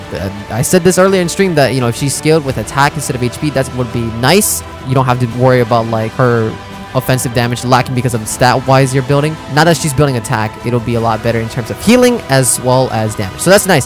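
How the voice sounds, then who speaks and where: A young man reacting to game content as a streamer, reading bits aloud and thinking out loud in an informal way. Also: medium pitch, animated, quick pace, music in the background. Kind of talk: casual reaction commentary, partly reading aloud.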